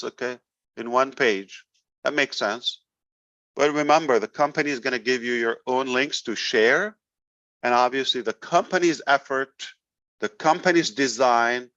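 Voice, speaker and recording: A man's voice: mid-range voice, bright, forceful tone, dry recording. Blunt, emphatic man giving business talk. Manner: blunt, emphatic, sarcastic at times. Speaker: company leader addressing members. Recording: dull, dry recording.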